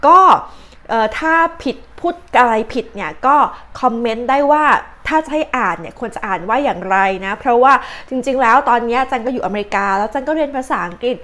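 A young Thai woman runs her own astrology and advice vlog, chatting casually as she explains and translates tips, full of fillers and polite particles. Her voice is a little high and fairly bright, expressive, and a bit fast.

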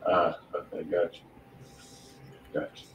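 A man's voice: deep voice, monotone, takes it slowly, highs cut off, slight background noise. A man co-hosting a live music review stream, giving blunt, slangy critiques in casual chat. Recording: roomy sound, mic at a distance.

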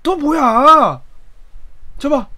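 A game streamer giving loud commentary, often yelling and swearing in comic outbursts. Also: high-pitched, lively intonation, drawn-out words.

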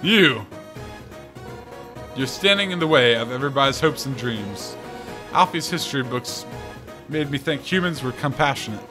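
A man's voice: medium pitch, expressive, moderate pace, long pauses, natural voice. A man voicing a fierce, hot-tempered female monster warrior in a video game, grand and accusing in delivery. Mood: accusing, scornful. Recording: game music behind the voice.

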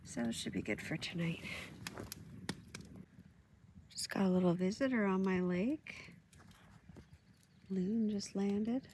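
A middle-aged woman with a stuffed-up nose narrates a casual vlog about her solo camping trip, filming at arm's length at a lakeside campsite and inside her tent. Her mid-range, darkish voice is slow with frequent pauses and lots of ums and uhs, and there's slight background noise.

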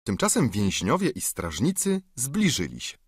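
A man narrating an audiobook classic in a measured storytelling manner. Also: mid-range voice, huge pitch swings, slightly rough, dry recording, clean studio sound. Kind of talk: scripted narration.

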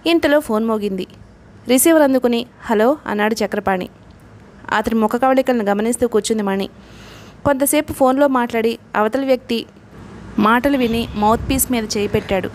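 A woman narrating a novel as an audiobook, reading in a steady, even way. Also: fairly high pitch, brisk.

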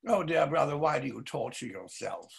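Older man as a gravelly, worldly nobleman. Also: a little high, lively intonation, normal speed, exaggerated voice. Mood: chiding. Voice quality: gravelly, husky. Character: worldly, teasing, paternal older-brother nobleman. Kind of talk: stage play reading. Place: home study, video call.

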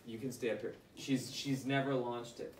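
A man coaching aspiring authors in front of a live audience, firing off quick advice and rhetorical questions. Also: medium pitch, slight background noise. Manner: energetic, rapid-fire advice with rhetorical questions. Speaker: book coach. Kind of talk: live group coaching session. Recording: roomy, distant mic, faint ambience.

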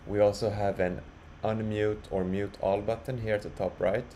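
A man presenting a casual software walkthrough, explaining step by step in a halting way. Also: on the low side, little pitch movement. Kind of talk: casual screen-share walkthrough. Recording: clearly audible background noise.

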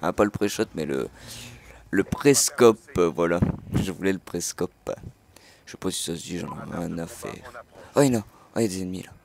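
A man hosting a gaming channel, giving live commentary on his own match with frequent excited outbursts and swearing. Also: low-pitched, fairly quick, vocal fry, noisy background.

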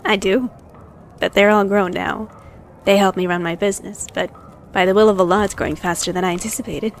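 A man voicing a kind, soft-spoken wealthy woman who runs a business. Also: sits high, steady tone, brisk, creaky, a little hiss or hum, voice pushed up. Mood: gentle. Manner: gentle.

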